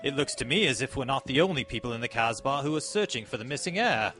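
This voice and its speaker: An actor playing an earnest, easily astonished gentleman sidekick in a radio mystery drama, exclamatory and old-fashioned in phrasing. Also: medium pitch, expressive, fast talker. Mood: alert.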